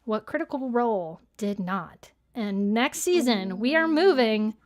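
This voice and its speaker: A woman's voice: fairly high pitch, animated, unhurried. A woman co-hosting a casual livestream, chatting through announcements for the audience. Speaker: show co-host.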